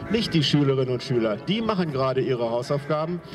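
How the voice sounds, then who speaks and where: Clear music plays in the background. A man talks with ordinary pitch variation. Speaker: speaker. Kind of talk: protest speech. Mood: indignant, critical. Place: street. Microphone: camera far.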